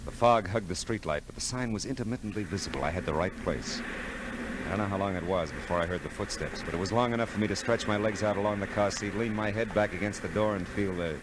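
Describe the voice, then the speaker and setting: A man's voice: fairly low pitch, fast talker, background noise, lightly acted. A man playing a world-weary private eye, wry and laconic, in a 1940s radio noir drama. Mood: wry, brooding. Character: hard-boiled, world-weary male private eye narrating his case. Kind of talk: 1940s radio noir acting, first-person narration. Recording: old radio drama recording with music.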